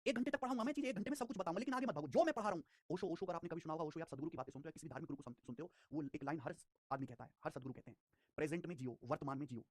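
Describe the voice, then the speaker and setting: A man's voice: fairly high pitch, no room sound, studio quality. A young man teaching a live online math class, repeating numbers over and over and scolding students with life advice. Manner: fast, lively, repeats digits and phrases.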